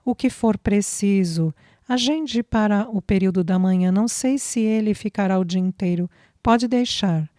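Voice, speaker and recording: A woman voicing a tender young woman who is newly pregnant, speaking softly and sweetly with affection. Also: mid-range voice, moderate pace, no echo, studio quality, lightly acted. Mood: polite.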